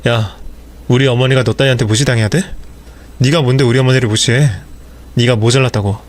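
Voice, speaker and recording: A man's voice: mid-range voice, steady tone, a little fast, natural voice. A man voicing an angry husband who speaks harshly and accusingly to his wife.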